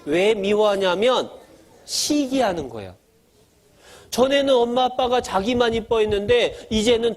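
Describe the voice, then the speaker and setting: Man, pastor, children's sermon, high voice, very lively pitch, asks and answers questions. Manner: acts out mother and baby voices.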